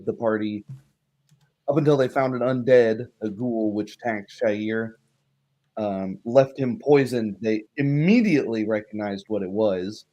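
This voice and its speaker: Male tabletop host, weary, unhurried and halting, casual recap style. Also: fairly low pitch, dark tone. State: tired. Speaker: game master and host. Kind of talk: casual livestream chat and recap.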